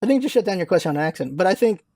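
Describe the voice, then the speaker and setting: A man hosting a casual gaming podcast in a high, mellow voice. His pitch moves around a lot as he thinks aloud, and the sound is dry and close. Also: lively intonation, racing, no room sound. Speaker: podcast host and gaming content creator.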